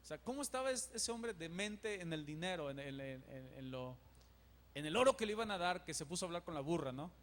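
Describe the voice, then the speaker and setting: High-voiced pastor preaching. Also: male voice, a little fast. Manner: animated, acts out dialogues. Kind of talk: sermon. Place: church. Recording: long church reverb.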